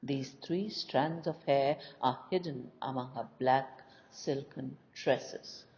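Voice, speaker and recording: A woman reading the part of a polite, earnest young male peasant in a storybook, with measured delivery. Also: rumbling low, a little mellow, exaggerated voice. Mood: solemn. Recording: dull lo-fi recording with faint noise.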